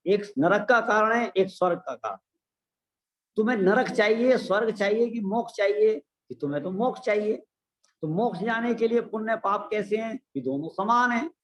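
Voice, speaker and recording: A man giving a religious discourse to a class. He often checks with listeners through rhetorical questions and repeats key phrases for emphasis. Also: high voice. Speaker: scripture teacher.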